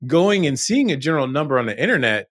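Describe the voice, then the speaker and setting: A man hosting an interview, relaxed and reflective, thinking aloud as he asks questions. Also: a little high, fast, no echo, studio quality. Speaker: interviewer host. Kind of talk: conversational interview.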